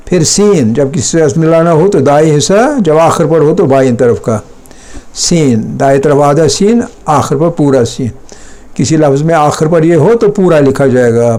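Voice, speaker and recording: A man teaching a classroom lesson at a slow, unhurried pace, drilling each word over and over. His voice sits somewhat high for a man. He explains patiently and breaks off to ask his pupils whether they follow. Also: warm tone. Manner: checks pupils often with short questions. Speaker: Persian teacher.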